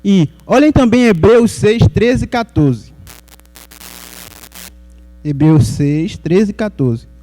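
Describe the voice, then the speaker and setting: A man's voice: high voice, animated, slow, pauses often, dark tone, soft background music, low-quality recording. A man from Salvador, Brazil, preaching a sermon in a conversational way and putting questions to the congregation.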